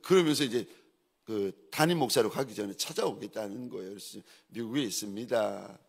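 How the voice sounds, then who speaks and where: Lively husky-voiced male preacher. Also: on the low side, a little fast. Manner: animated storytelling, acting out quoted dialogue; emphatic repetition in rising lists. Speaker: pastor. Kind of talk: sermon.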